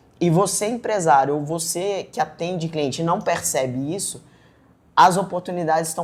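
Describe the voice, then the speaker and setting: In a Minas Gerais accent, a woman speaks with a fairly low pitch. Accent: mineiro accent, noticeable. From Brazil, Minas Gerais (Belo Horizonte). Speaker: customer experience consultant. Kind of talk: interview.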